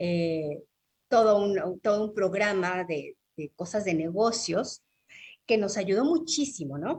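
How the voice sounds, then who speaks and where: Using lively intonation, a woman with a plain, everyday voice speaks at a medium pitch. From Mexico. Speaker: voice actor and dubbing school co-director. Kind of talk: interview answer. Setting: near a busy avenue, remote recording.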